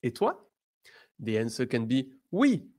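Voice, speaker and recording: A male teacher leads a beginner lesson. He speaks very slowly, giving each word room. His pitch swings up and down with lively emphasis. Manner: slow, deliberate, lively, switches between English and French. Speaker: French teacher.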